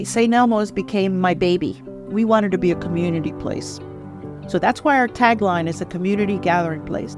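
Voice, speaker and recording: Music plays in the background as a woman speaks fairly quickly at a medium pitch with lively intonation. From Cuba. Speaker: coffee shop owner. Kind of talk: oral history interview answer.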